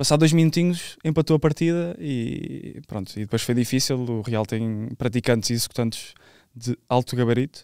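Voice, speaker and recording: Against a quiet background with a dry sound and no echo, a man speaks with a European Portuguese accent and ordinary pitch variation. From Portugal. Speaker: football pundit. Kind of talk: casual chat. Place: studio. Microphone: studio mic.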